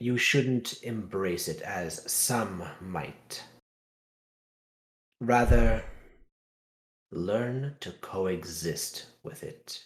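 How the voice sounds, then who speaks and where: Putting on a character voice, a man speaks at a very slow pace with long, frequent pauses. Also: medium pitch for a man. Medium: actual play. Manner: measured, gentle, philosophical.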